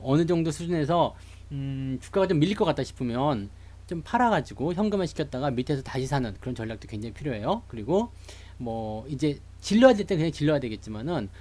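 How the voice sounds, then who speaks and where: This stock market streamer from Seoul has a mellow, mid-range voice. He jokes around and chats while explaining stock charts live, stopping to greet viewers in the chat.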